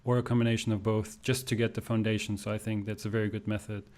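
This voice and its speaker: A man's voice: on the low side, flat delivery, fast, a little mellow. A man hosting an interview, asking questions and giving short friendly prompts. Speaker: interview host. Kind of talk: casual interview.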